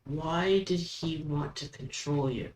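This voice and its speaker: A woman hosting a paranormal session, asking questions aloud and commenting casually, with halting pauses between them. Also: deep voice, a little mellow. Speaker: host of a spirit box session. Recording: roomy echo, background noise.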